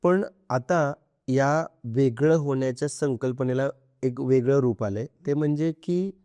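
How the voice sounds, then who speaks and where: A man in his thirties or forties hosts a podcast, asking measured and formal questions. His voice sits at an ordinary pitch with a warm, mellow tone. The recording is close and dry. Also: dry recording. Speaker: podcast host. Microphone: podcast microphone.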